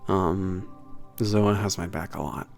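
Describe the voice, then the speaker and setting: Male actor as big gruff werewolf trainer, fry-laden low voice, casual swearing, awkwardly sincere, ASMR roleplay. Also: fairly even intonation, slow pace, soft background music, exaggerated voice. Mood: hesitant, vulnerable. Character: big burly gruff werewolf spaceport maintenance trainer, soft-hearted. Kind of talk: ASMR roleplay audio drama, spoken to the listener.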